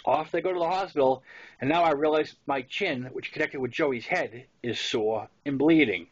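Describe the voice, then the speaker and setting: Reading from his own memoir, a Boston-accented author in his sixties from Massachusetts tells the story like a conversation, dropping in casual asides. He speaks at a moderate pace in a fairly high, slightly rough voice, and the recording is dull.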